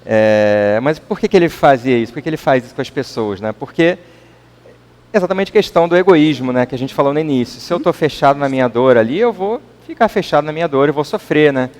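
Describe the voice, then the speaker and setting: A man's voice: a little high, animated, fast talker, darkish tone. Man giving a conversational talk, Brazilian accent. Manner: conversational, keeps adding questioning tags. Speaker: lecturer at a spiritist center. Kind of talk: informal public talk. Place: meeting hall. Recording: long reverb in a hall.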